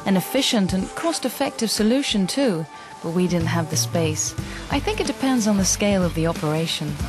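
A woman plays a practical, content dairy farmer's wife, speaking in a calm, matter-of-fact way over clear music. The delivery is a polished voice-over. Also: mid-range voice, fairly quick, lightly acted. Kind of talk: scripted promotional voice-over.

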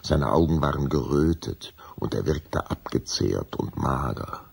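A man narrating a children's radio play as a suspenseful, deliberate storyteller. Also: very deep voice, lively intonation, creaky, darkish tone, slightly rough.

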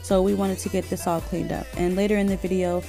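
A woman's voice: fairly low pitch, level tone, brisk, gravelly, dark tone, faint music behind. A young woman vlogging and narrating her cleaning day, talking casually and candidly. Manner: tired, candid, chatty. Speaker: vlogger, mom. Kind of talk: casual vlog chat and voice-over. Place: car interior.

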